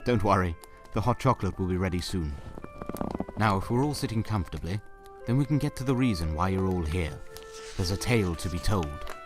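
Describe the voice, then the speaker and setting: A man's voice: sits low, lively intonation, a little fast, music in the background. A man playing a genial fireside storyteller, narrating an audio drama in a wry, theatrical way. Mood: welcoming.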